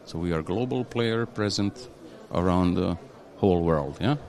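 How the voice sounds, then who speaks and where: A man speaking as an executive guest, his voice sitting very low. He talks haltingly, restarting phrases and checking in with "yeah?". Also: a little mellow. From Croatia. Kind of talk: conversational interview.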